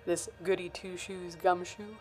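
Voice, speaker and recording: A woman's voice: lowish voice, fairly even intonation, measured pace, darkish tone, lightly acted. A woman playing a tough, skeptical character in a noir audio drama, speaking in a dry, curt, sardonic way. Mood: scornful.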